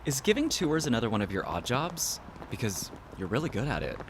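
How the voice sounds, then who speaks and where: A woman playing an inquisitive, casual cryptid in disguise in an audio drama, with a deadpan, probing manner. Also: rumbling low, brisk, background noise. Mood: impressed.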